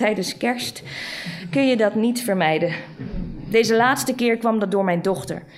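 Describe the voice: A plain read-aloud delivery, its pitch varying in an ordinary way.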